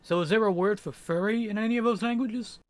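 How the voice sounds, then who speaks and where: A man's voice: sits high, fast, no echo. A man interviewing a guest, asking brief and direct questions in a friendly, casual way.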